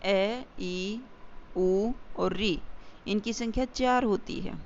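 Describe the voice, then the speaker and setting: A grammar teacher explaining definitions step by step, repeating key points and slowing down for examples. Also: mid-range voice, creaky. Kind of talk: exam-prep grammar lesson. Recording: dull lo-fi recording with faint hiss.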